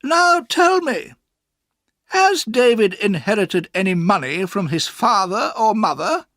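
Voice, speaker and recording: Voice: medium pitch, very animated, unhurried, dry recording, clean studio sound, voice pushed up. A narrator voicing a stern, cross elderly aunt who is kind underneath, speaking sharply and bossily. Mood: firm, sharp. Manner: sharp and bossy, shouting when angry. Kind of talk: storybook reading.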